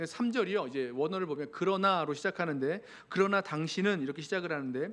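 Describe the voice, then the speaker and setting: High-voiced Korean pastor preaching earnestly. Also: male voice, fast, a bit bright. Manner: earnest preaching, pleading quoted prayers. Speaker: senior pastor. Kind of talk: sermon.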